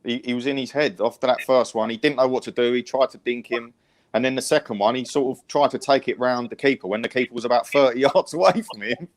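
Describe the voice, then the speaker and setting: A man's voice: medium pitch, fast talker. An English man giving casual post-match analysis as a fan, emphatic and repeating his phrases to press a point. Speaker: football fan panellist.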